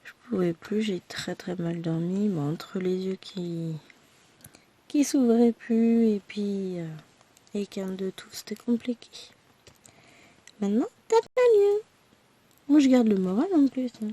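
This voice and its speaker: A worn-out woman with a hoarse, husky voice talks to her viewers in a loose, rambling chat. Her tone is mellow and low-key, and she pokes gentle fun at herself between coughs of tiredness. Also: a little slow, pauses often. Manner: rambling, talkative, self-deprecating. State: hoarse from a throat infection. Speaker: crafting vlogger. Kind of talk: chatty personal update to viewers.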